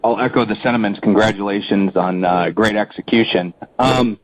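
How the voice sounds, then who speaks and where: A man's voice: fairly low pitch, fairly even intonation, moderate pace, poor audio. A man asking a question as a financial analyst on an earnings call, in winding, hesitant, broken phrases.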